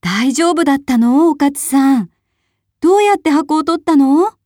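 An astonished crowd of storybook village women pepper someone with eager questions, as a woman reading aloud puts them on. The voice climbs far above the reader's own and sounds louder and brighter. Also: high voice, expressive, a little slow, no room sound, clean studio sound, voice pushed up.

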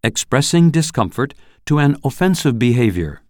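Lively announcer reading lesson headings. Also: medium pitch, moderate pace, dry recording, clean studio sound. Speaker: section announcer.

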